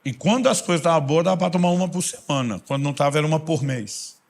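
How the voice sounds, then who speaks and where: Higher-voiced preacher man. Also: fast, vocal fry. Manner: storytelling, conversational, drops soft and low in quiet passages. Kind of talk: sermon.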